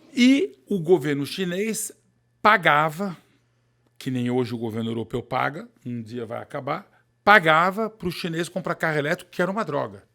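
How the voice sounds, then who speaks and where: The tone is bright and sharp, with very wide pitch swings at a moderate pace. The recording is very clean, with a silent background. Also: man, fairly high pitch for a man. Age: 60s. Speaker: automotive businessman. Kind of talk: podcast interview.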